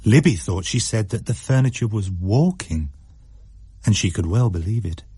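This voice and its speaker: A man narrating a spooky story in a measured, suspenseful way. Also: fairly low pitch, lively intonation, warm tone, slightly rough, no room sound, clean studio sound.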